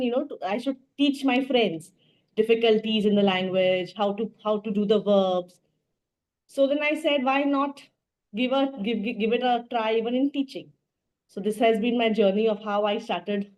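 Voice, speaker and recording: A woman's voice: mid-range voice, a little mellow, rough recording. A woman from Goa with a Goan Indian English accent, answering as a teacher in an interview, often repeating and rephrasing her words. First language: Portuguese and Konkani. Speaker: language teacher, interview guest.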